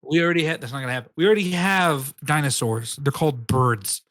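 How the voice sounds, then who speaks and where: A man's voice: fairly high pitch, quick pace, a bit bright. A man co-hosting a podcast, rambling through casual, profane chat with many false starts. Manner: rambling, profane, restarts a lot. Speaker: podcast co-host.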